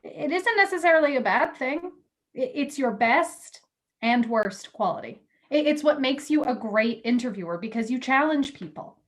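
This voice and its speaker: Female magazine editor for a play reading, acted by a woman: candid, confiding, slightly hesitant, pitched a little high. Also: animated, moderate pace. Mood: frank. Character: candid, loyal female magazine editor, jaded about love. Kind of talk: virtual staged play reading.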